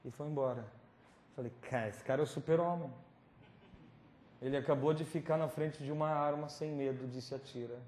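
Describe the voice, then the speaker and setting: A male preacher telling a personal testimony at a youth camp, acting out scenes with sudden drops to whispers and loud pleading cries. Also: on the high side, steady tone, fairly quick. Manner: dramatic storytelling, swinging from whispers to loud pleading. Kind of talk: testimony sermon. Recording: roomy hall recording with faint noise.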